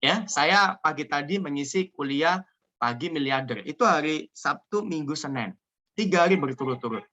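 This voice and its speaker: A man from Indonesia giving an energetic, joking motivational business talk over a video call. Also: on the high side, moderate pace, dull audio. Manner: energetic, joking, repeats "ya" often. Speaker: seminar speaker.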